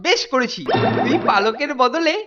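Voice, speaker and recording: A boastful older schoolboy from a cartoon, pitched high. He swaggers and taunts like a comic bully, over clearly audible music. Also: expressive, normal speed, a bit bright, dull audio. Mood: gloating. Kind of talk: exaggerated cartoon acting.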